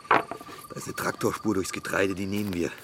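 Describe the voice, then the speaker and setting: A man playing an easygoing, assured environmental activist, calm and encouraging as he gives instructions in radio drama dialogue. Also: low voice, brisk, natural voice. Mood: calm, instructing. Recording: loud outdoor noise with crickets.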